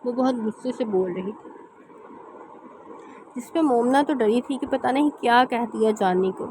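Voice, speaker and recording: A woman reading a romance novel aloud in steady storytelling narration. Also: fairly high pitch, noisy background. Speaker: novel reader.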